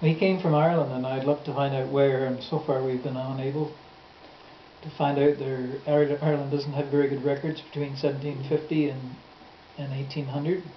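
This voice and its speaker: Over noticeable background noise, a man with a Canadian accent talks at a fairly quick pace in a fairly high pitch, his intonation monotone and flat. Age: 70s. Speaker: retired farmer. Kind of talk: interview. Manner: halting.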